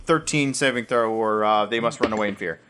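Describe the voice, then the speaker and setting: A man's voice: fairly low pitch, brisk, background noise. A man playing a cleric in a tabletop game, eager and explaining his moves. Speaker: player. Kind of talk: casual tabletop play.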